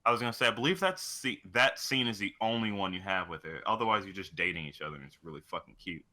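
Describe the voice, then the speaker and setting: A man's voice: low-pitched, animated, fast, bright, forceful tone. A man co-hosting a podcast, talking casually in a profane, joking style. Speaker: podcast co-host.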